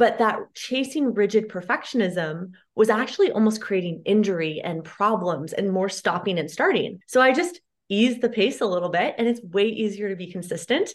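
In a normal speaking voice, a woman at medium pitch talks at a moderate pace with lively intonation over a quiet background. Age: 30s. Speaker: dietitian and nutrition coach. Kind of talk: casual interview.

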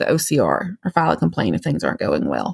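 Someone speaks with a Mississippi accent in a dry, close sound with no echo. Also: woman. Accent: Southern US, Mississippi. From Mississippi, US South. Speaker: attorney and food allergy parent. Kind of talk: informative interview answers.

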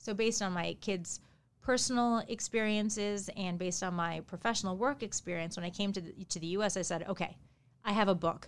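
A woman with an American accent, an unremarkable speaking voice and medium pitch. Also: fairly even intonation, fairly quick pace. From New York City area, US. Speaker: author. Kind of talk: interview.

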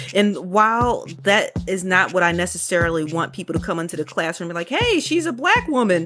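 At a fairly quick pace, a woman with an ordinary speaking voice uses a medium pitch and lively intonation. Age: 40s. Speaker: podcast co-host. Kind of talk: casual chat.

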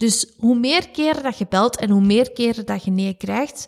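A woman with a Flemish accent, fairly high pitch, lively intonation and a fairly slow pace, in a dry, close sound with no echo. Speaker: business mentor and podcast host. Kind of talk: solo podcast monologue. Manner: enthusiastic.

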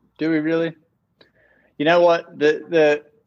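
A man speaks with an Australian accent, at a moderate pace. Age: 40s. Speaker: motivational speaker. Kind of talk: interview.

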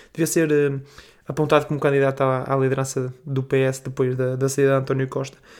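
Talking at a fairly quick pace, a man with a European Portuguese accent has fairly high pitch and monotone, flat intonation. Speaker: podcast host. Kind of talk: solo political commentary podcast. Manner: hesitant, many fillers.

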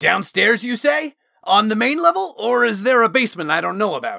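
A man puts on a character voice at a high pitch, bright and sharp in tone with vocal fry. Big pitch swings run through it at a moderate pace.

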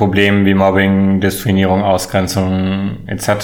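The room echo around him is audible. This man's pitch is fairly low. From Berlin, Germany. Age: young. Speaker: co-founder of a youth crisis chat service. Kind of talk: interview.

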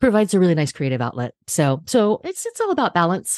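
A woman with an American accent speaks very fast, her sound dry and close with no echo against a quiet background. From United States. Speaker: cocktail blogger and author. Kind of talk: casual chat.

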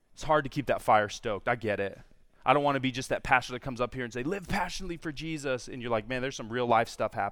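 A man with an American accent, very fast, ordinary pitch variation, on a very clean recording with a silent background. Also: medium pitch for a man. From San Diego, California. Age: 40s. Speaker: pastor. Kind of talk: sermon.

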